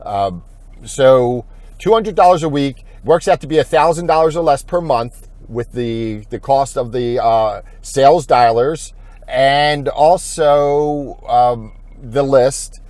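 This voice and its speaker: A man talking through an informal corporate training video as an insurance agent, thinking aloud in a halting, rambling way. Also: medium pitch, a little mellow, no echo.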